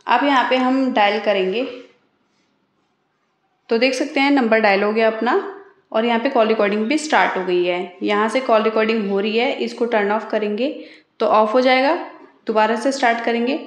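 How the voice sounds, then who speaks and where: Echoey, higher-pitched woman giving a tutorial. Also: moderate pace. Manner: instructional, demonstrating as she goes. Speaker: host of phone tutorial videos. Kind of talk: step-by-step tech tutorial narration. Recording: roomy, echoey voice recording.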